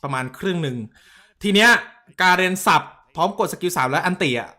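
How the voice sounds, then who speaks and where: Bright-voiced, excitable male streamer. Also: high voice, brisk. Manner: blunt and excitable, with crude slang; answers viewer messages directly. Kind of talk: casual esports watch-along commentary.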